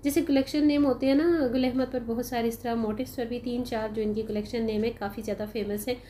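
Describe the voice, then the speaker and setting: A woman doing a casual, chatty voice-over for a shopping vlog, unhurried and full of "uh" fillers. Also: fairly high pitch, steady tone, mellow, a little hiss or hum. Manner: chatty, unhurried, frequent "uh" fillers, addresses viewers as "janab" and "bhai". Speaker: shopping vlogger. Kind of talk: casual voice-over of a sale haul.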